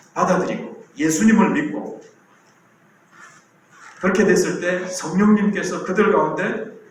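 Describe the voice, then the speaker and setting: A man in his sixties preaches to his congregation, telling stories and asking rhetorical questions as he goes. His voice sits somewhat high for a man. The sound is drenched in the reverb of a large church hall. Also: fairly bright tone, a little hiss or hum. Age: 60s. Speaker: pastor. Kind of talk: sermon. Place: church sanctuary.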